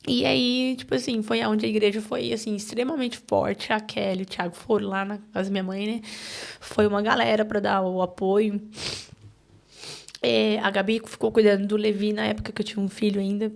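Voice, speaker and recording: Brazilian woman guest on a podcast, gravelly voice, halting and emotional, keeps restarting. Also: fairly high pitch. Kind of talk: emotional personal storytelling.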